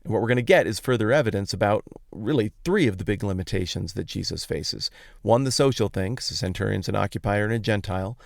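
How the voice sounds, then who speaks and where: Male podcast host, low creaky voice, conversational Bible teaching, informal and explanatory, close dry sound. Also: fast, no room sound. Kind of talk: casual Bible teaching talk.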